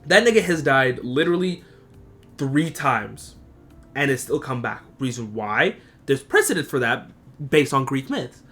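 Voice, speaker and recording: A young man hosting a casual solo podcast, profane and animated, leaping into high excited squeals and then dropping to low muttered asides. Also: unhurried, soft background music. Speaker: podcast host.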